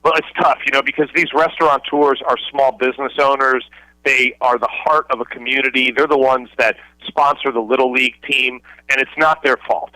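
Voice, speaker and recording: A man's voice: mid-range voice, fairly even intonation, a little fast, sharp tone, no room sound, poor audio. A man giving a casual radio interview as a business expert, explaining emphatically in colloquial, joking language. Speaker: interview guest, franchise consultant and author.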